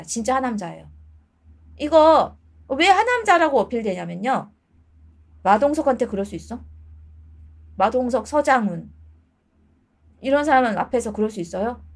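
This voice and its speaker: A woman in her thirties giving blunt dating advice to her viewers in casual talk, switching between polite and informal speech. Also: a little high.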